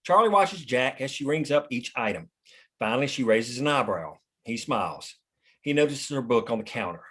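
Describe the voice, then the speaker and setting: A man's voice: medium pitch, lively intonation, moderate pace, fairly bright tone, husky. A man reading stage directions as scripted narration at a table read, in a plain, matter-of-fact manner.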